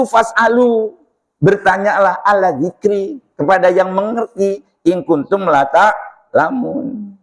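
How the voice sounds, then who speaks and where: Older guy teaching a dawn class at a mosque, slow and animated, acts out little stories. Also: fairly high pitch. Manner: lively storytelling, acting out dialogue, laughing. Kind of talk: informal religious lesson with anecdotes.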